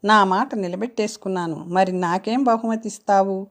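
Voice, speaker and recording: A woman voicing a caring, cheerful young man as she reads an audiobook story, with a lively, coaxing delivery. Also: medium pitch, normal speed, natural voice. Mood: teasing. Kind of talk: audiobook character reading.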